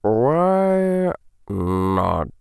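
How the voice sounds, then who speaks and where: A man doing a cold, measured potions professor. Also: sing-song, vocal fry, darkish tone, clear, resonant tone, no echo, studio quality, full character voice. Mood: quiet. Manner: measured, low and restrained. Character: stern, cold male potions teacher, middle-aged.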